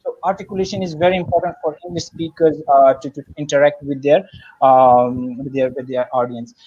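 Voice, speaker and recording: Man, lesson on public speaking, slightly high voice, hesitant with many fillers, dull lo-fi audio. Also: fairly even intonation, a little fast, a little mellow, breathy edge. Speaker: guest speaker.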